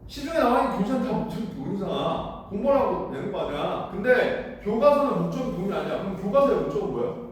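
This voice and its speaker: A man teaching high school literature in a lecture room, blunt and casual, constantly asking students whether they follow. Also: sing-song, fast talker. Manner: keeps checking understanding with rhetorical questions; blunt, casual, with mild slang. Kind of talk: classroom lecture. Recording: very echoey room, far from the mic, faint noise.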